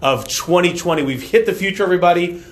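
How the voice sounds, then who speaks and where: Loud and high-pitched, a man speaks at a fairly quick pace with ordinary pitch variation, over noticeable background noise and audible room echo. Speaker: talk show host. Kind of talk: video podcast host intro. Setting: studio.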